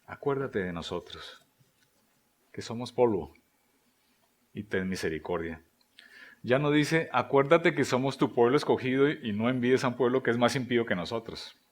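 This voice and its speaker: A man preaching a sermon, asking rhetorical questions and voicing quoted prayers, his delivery swinging between loud emphasis and near-whispers. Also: mid-range voice, normal speed, long pauses. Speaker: pastor.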